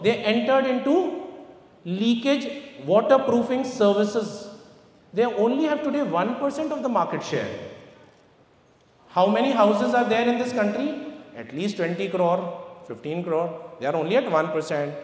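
A middle-aged man giving an emphatic motivational finance presentation in short repeated phrases and rhetorical questions. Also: extremely high pitch. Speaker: investment speaker. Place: large auditorium stage. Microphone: handheld microphone through hall sound. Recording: echoey large hall, long reverb.

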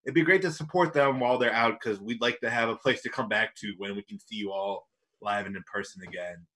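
A man's voice: fairly low pitch, fairly quick, pushed and bright, slightly rough. A man co-hosting a virtual comedy show over a video call, easygoing and hedging as he talks. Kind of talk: casual banter and sign-off.

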